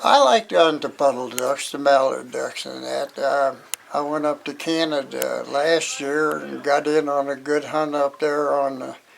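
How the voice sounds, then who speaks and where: Against noticeable background noise, a man with a Midwestern American accent talks at a fairly slow pace with hardly any pauses. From Illinois. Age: 80s+. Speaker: duck hunter. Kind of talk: interview answer.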